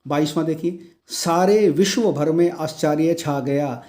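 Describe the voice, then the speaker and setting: A male teacher giving an exam-prep grammar lesson, reading each sentence slowly and then explaining the correction. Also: a little high, dark tone. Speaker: Hindi teacher.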